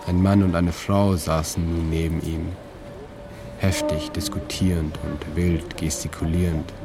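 Deep, flat-voiced man narrating over music. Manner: calm, measured, with slow deliberate pauses. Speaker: narrator and author. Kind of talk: scripted literary narration.

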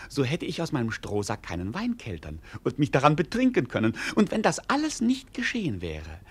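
A man playing an idle, roguish wandering fool in a German radio play, declamatory and playful, with a husky voice. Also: fairly high pitch, exaggerated voice. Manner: declamatory, playful, sometimes sing-song.

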